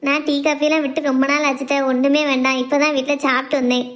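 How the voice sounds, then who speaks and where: Young woman as a caring take-charge friend, quick-talking, high bright-pitched voice, reassuring. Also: little pitch movement. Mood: chatty. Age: young adult. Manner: brisk, reassuring, persuasive.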